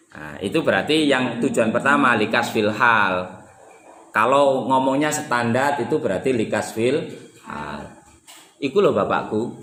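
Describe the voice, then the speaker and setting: A man's voice: mid-range voice, pushed and bright, a little hiss or hum. A man with a Javanese accent teaching Arabic rhetoric, who acts out everyday exchanges to explain his points. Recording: echoey room with faint ambience.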